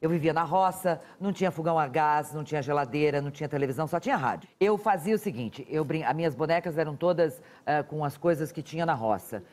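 A woman guest on a talk show, telling lively stories and laughing often. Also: low-pitched, quick pace, few pauses. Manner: animated storyteller, laughs often.

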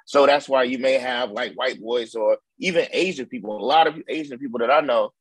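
A man's voice: mid-range voice, brisk, fairly bright tone, breathy edge, no room sound. African American man explaining, dry recording. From United States. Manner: explanatory, peppers talk with "you know what I mean". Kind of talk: casual explanatory discussion.

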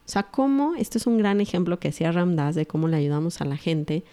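A woman's voice: fairly low pitch, sing-song, brisk, dark tone. A middle-aged woman, speaking earnestly to an audience as a mother sharing parenting advice and acting out the lines of others. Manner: earnest, acts out quoted dialogue. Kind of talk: reflective talk to an audience.

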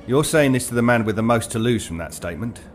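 A wry, needling shopkeeper, played by a man, speaks at a middling pitch in a horror audio drama. His delivery is dry and conversational, with clear music behind. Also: lively intonation, fast, natural voice. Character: wry, needling shopkeeper from a haunted man's past.

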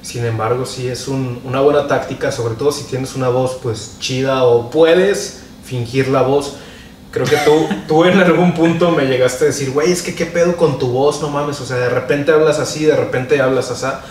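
A man's voice: mid-range voice, steady tone, moderate pace, a little mellow. Young Mexican male co-host, confident advice tone, recorded roomy and off-mic. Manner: confident, advice-giving, slangy. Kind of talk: casual chat. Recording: roomy, distant mic, faint noise.

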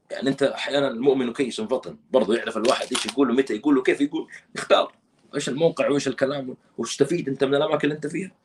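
A man giving casual commentary, animated and scolding, with emphatic oaths. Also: medium pitch, breathy edge.

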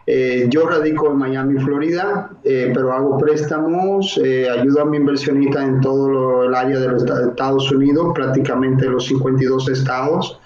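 A man's voice: medium pitch, fairly even intonation, darkish tone. Dominican man, roomy lo-fi recording. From Dominican Republic. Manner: slow, explanatory, many filler sounds. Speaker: guest, mortgage broker and investor. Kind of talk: interview answers. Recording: roomy, dull lo-fi sound.

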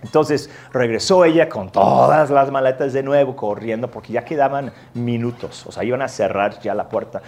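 A man telling a lively, self-mocking anecdote as part of a sermon, jumping into the voices of the people in the story. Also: mid-range voice, normal speed, few pauses. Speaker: preacher.

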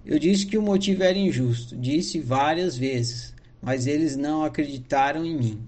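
A man's voice: fairly high pitch, darkish tone. A man with a Brazilian Portuguese accent, reading a personal diary entry aloud in an earnest, reflective way. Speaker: diary narrator.

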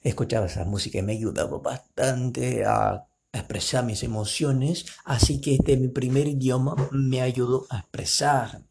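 A man's voice: medium pitch, creaky, a little mellow. Brazilian guy in his 20s doing a chatty solo podcast, jokey and all over the place. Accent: Brazilian Portuguese speaker, mixing in an Argentine lilt. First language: Portuguese. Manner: rambling, playful, self-mocking, switches into put-on voices. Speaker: podcast host. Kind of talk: casual solo podcast talk.

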